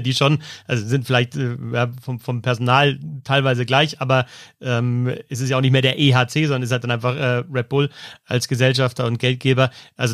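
A man's voice: medium pitch, dry recording, clean studio sound. A man, thinking aloud and listing examples in a casual sports podcast chat.

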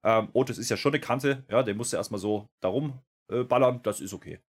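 A man co-hosting a wrestling podcast in casual chat, ranting in a rambling, animated way. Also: medium pitch, fairly quick.

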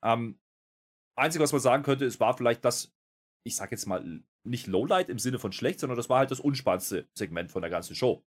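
A man's voice: mid-range voice, animated, fairly quick. A man hosting a wrestling review podcast, rambling with many fillers in casual talk. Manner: rambling, full of fillers and self-corrections. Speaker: podcast host. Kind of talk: casual chat.

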